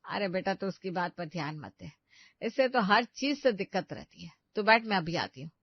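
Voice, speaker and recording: This is a stingy, scolding mother-in-law from an animated family story, voiced by a woman. She talks loud and bossy, cutting others short. The sound is dry and a little dull. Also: mid-range voice, moderate pace, dry recording. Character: sharp-tongued stingy older mother-in-law.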